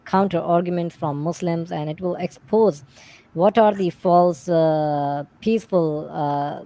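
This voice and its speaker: Low, mellow South Asian woman speaking haltingly. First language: Urdu. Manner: halting, repetitive English with word searching. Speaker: livestream panel guest. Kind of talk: unscripted livestream talk.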